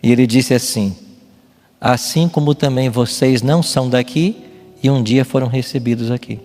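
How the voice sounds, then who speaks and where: A man's voice: medium pitch, moderate pace, darkish tone. A Brazilian man preaching a sermon as a pastor, didactic and emphatic, often posing rhetorical questions. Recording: long hall reverb with music behind. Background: music.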